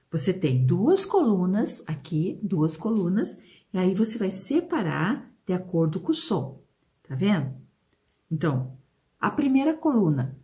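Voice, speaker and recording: A Brazilian Portuguese-accented woman teaching children, sounding out words slowly and prompting the class with questions. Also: medium pitch, dark tone. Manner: slow, drawn-out pronunciation of example words; questions and prompts aimed at pupils. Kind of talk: video lesson for children.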